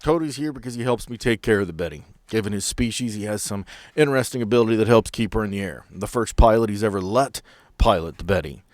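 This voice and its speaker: A man acts out a gruff helicopter pilot for a tabletop game. He is bossy yet fond, tossing out brisk orders and banter in a lowish voice with a close, dry sound. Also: lively intonation, no echo, lightly acted. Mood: briefing, wry.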